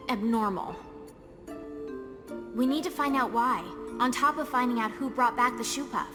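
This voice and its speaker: A woman's voice: fairly high pitch, close to an everyday voice. An actress playing a blunt, irked young woman envoy in a radio drama, confrontational and scornful. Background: music.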